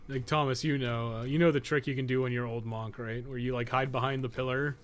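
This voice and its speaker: A man's voice: mid-range voice, steady tone, a little fast, faint music behind. A man giving casual, profane live game commentary, chatting informally and often muttering to himself as he plays. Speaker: gaming podcast co-host.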